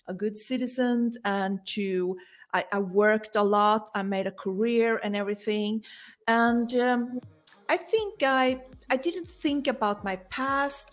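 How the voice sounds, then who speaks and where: A middle-aged woman from Sweden with a Swedish accent, telling her story conversationally as an interview guest on a video call. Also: medium pitch. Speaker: guest, coach. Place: home room indoors.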